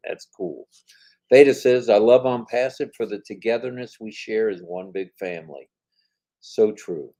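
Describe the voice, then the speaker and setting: A man's voice: fairly low pitch, moderate pace, dark tone, lo-fi sound. An older man co-hosting a casual live-stream chat, reading viewer comments aloud in an upbeat, chatty way.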